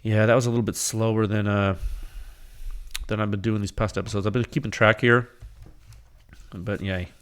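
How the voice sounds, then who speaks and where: A man's voice: on the low side, fairly even intonation, normal speed, pauses often, smooth. A man hosting his own podcast, talking casually with lots of fillers, enthusiastic, while losing his voice. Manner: casual, filler-heavy, enthusiastic with frequent "you know". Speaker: podcast host. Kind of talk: solo podcast monologue.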